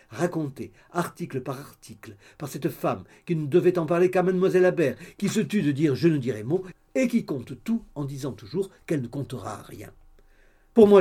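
A man narrating a classic novel as an audiobook in a measured storytelling manner. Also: mid-range voice, warm tone, slightly rough.

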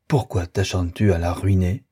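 A bitter young lover, read by a man narrating a novel, spitting accusations and then turning icily contemptuous. The voice is low, dark and very husky. He sounds wounded and unforgiving. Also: fairly even intonation, normal speed. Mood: accusing.

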